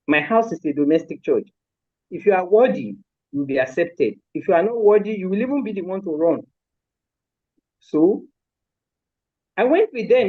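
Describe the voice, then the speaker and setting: Her voice on the low side, an older Lagos woman with a Nigerian accent speaks as a guest in a live interview about raising her children, as a mother and grandmother. She is emphatic and firm, pressing her points by repeating them forcefully. The sound is lo-fi, with no room sound.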